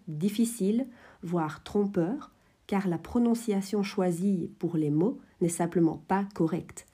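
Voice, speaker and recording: A woman with a lowish, deeply mellow and slightly husky voice hosts an educational podcast. She explains the sounds of a language in a clear, measured and well-paced way. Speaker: French teacher, podcast host.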